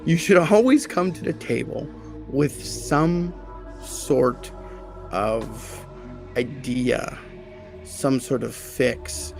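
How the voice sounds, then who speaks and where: A man's voice: mid-range voice, drawn-out words, gravelly, darkish tone, soft background music. A man hosting a live stream as an HR consultant, talking casually and often checking in with "right?". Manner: conversational, self-correcting, asks "right?" often. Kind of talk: casual livestream talk.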